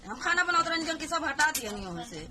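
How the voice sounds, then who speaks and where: A woman's voice: high voice, very animated, fast. A village woman with a Bhojpuri accent interjecting a repetitive, unscripted eyewitness account in a noisy field recording. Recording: noisy field recording, loud overlapping voices.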